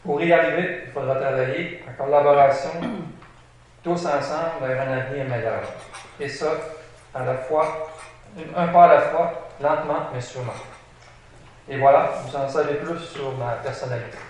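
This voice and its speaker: A man in his sixties with a Quebec French accent, giving a prepared, formal self-introduction as a council candidate, with hesitant filler pauses. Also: mid-range voice, darkish tone. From Saguenay, Quebec. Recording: echoey room, distant mic, noisy.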